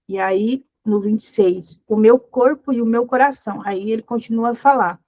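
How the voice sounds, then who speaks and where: A woman's voice: mid-range voice, darkish tone, dry recording, highs cut off. A woman leading a Bible study, encouraging her listeners with repeated phrases and reading scripture aloud. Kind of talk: devotional teaching.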